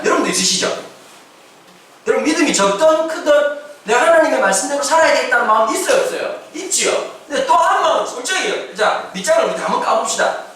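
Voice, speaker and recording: Pastor, male, very high lively voice, joking slangy delivery, booming church hall, mic at a distance. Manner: playful, slangy, acts out voices and laughs often. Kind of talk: lively youth sermon. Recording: echoey church hall from far off.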